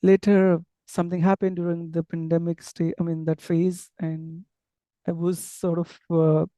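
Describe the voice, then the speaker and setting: A man with an Indian English accent and a mellow, soft-edged tone, talking through his answers in a loose, hesitant way with lots of fillers and restarts. His first language is an unwritten tribal tongue. The recording is dry and close, with no room echo. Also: fairly high pitch, flat delivery, a little slow. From Andhra Pradesh, India. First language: tribal language without a script. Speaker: interview guest, English teacher abroad. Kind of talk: casual interview conversation.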